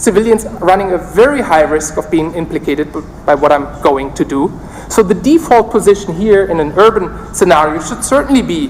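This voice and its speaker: Lively intonation and a fairly quick pace come through over noticeable background noise. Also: woman, fairly low pitch for a woman. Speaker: legal expert panelist. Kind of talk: panel talk.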